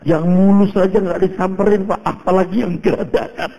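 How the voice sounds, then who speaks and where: A man in his fifties from Indonesia preaching a sermon as a pastor, telling stories in a casual, animated way and calling the congregation "saudara". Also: high voice, a little fast, lo-fi sound, a little hiss or hum. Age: 50s. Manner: animated storytelling, shifts between loud exclaims and hushed prayer.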